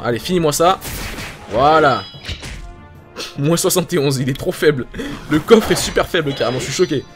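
A man giving excited gameplay commentary, hyped and swearing casually as he talks to his viewers. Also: on the high side. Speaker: gaming YouTuber. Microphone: facecam setup.

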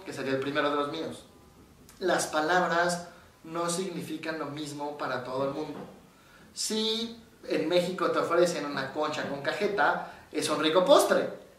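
Mexican male psychologist, casual animated explainer, high voice, roomy echo, off-mic. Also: measured pace, distant mic, slight background noise. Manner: animated storyteller, acts out quoted voices. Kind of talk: casual explanatory talk to camera. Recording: very echoey room, voice from off the mic.

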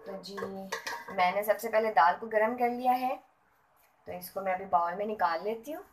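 A woman's voice: medium pitch, normal speed. Woman, casual cooking vlog, homely chatter, home kitchen, clattering pans, noisy recording. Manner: chatty, homely, talks while working. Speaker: cooking vlogger. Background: clatter of pots and dishes.

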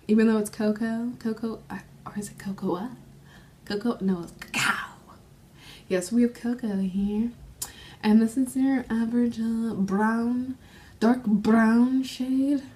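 Young woman, excitable beauty vlogger, gasping and gushing, slightly high voice, camera mic. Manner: gushing, excitable, lots of gasps and exclamations. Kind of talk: casual makeup swatching vlog.

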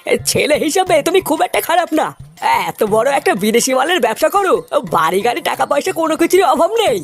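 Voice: high voice, big pitch swings, fast talker. An actor playing a gullible, approving middle-aged father of a bride in a comic cartoon, inquisitive and easily impressed.

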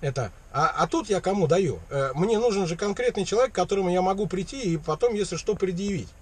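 A man's voice: high-pitched, animated, fast, husky. A man chatting casually on a call from a vehicle cab, rambling and slangy in a mock-naive way. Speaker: prankster taking a sales call. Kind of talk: casual colloquial phone chat. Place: inside a parked vehicle cab.

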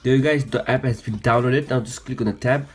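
This fairly quick, steady-toned man of medium pitch is hosting a casual phone tutorial, demonstrating on screen. His phrasing is hesitant and repetitive, full of stumbles. There's music in the background plus some noise.

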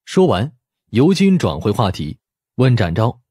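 A man's voice: fairly low pitch, big pitch swings, unhurried, darkish tone, husky, no room sound, clean studio sound. A man reading scripted story narration expressively, as an audiobook narrator.

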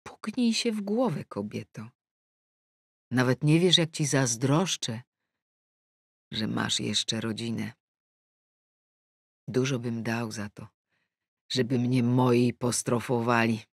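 A woman voicing a subdued, gently reproachful grown man in an audiobook. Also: rumbling low, slightly rough, dry recording, clean studio sound, voice pushed down, heavily acted. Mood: wistful reproach. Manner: slow, subdued. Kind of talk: audiobook character reading.

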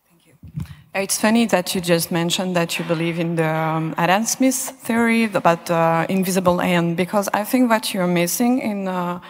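Female audience member, earnest and halting, low voice, reverberant hall. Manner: earnest, searching for words. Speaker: audience member asking a question. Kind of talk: conference Q&A question.

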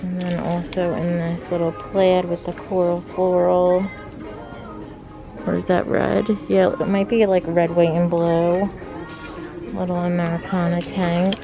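A woman's voice: on the low side, little pitch movement, unhurried, rough recording. A young woman chatting casually as she films herself shopping in a clothing store, talking with lots of "like" fillers. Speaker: fashion vlogger. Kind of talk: casual shop-with-me narration. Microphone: handheld phone camera. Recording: background music playing over voice.

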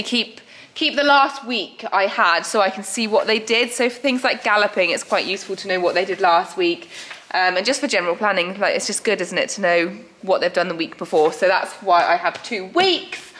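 Filmed close on a handheld camera, this young adult horse-riding vlogger chats casually in a barn. Her voice is mid-range with a fairly bright tone, and she comes across bubbly, with lots of filler words.

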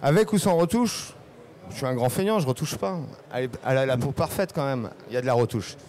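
A man's voice: mid-range voice, fast, darkish tone. Hesitant man talking on a fair stage. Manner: casual, hesitant, many fillers. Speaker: guest photographer. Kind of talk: live conference talk. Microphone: handheld.

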